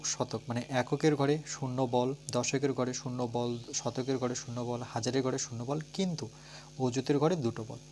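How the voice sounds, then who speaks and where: A man with a Bengali accent teaching a primary-school math lesson. He asks questions and answers them himself, counts slowly aloud and spells words out letter by letter. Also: mid-range voice, darkish tone, a little hiss or hum. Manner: talks through steps, asking and answering his own questions.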